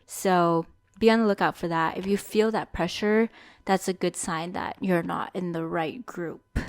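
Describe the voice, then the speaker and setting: A woman's voice: lowish voice, fairly even intonation, a little slow, no echo. A young woman hosting a solo podcast, talking candidly and thinking aloud about what she has learned. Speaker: podcast host. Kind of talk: solo reflective podcast monologue.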